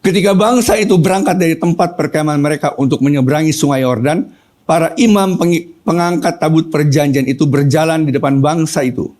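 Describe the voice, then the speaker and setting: A man's voice: on the high side, brisk, darkish tone. A middle-aged man preaching a sermon, telling personal stories and acting out quoted voices as he addresses the congregation. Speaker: pastor.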